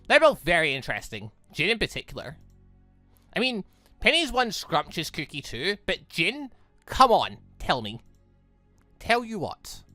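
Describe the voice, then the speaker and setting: Man voicing a brash, lively young woman, bantering. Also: high-pitched, measured pace, dry recording, faint music behind, exaggerated voice. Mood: teasing. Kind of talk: reading visual novel dialogue aloud.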